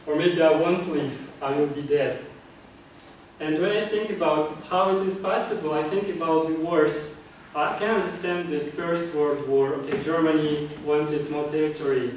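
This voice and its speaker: A man's voice: fairly high pitch, normal speed, far from the mic, a little hiss or hum. Earnest man in an echoey room. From Kazakhstan. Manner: earnest, repeats and restarts phrases, many uh fillers. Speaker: club speaker. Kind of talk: prepared public speech. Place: meeting room, indoors. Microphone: far camera.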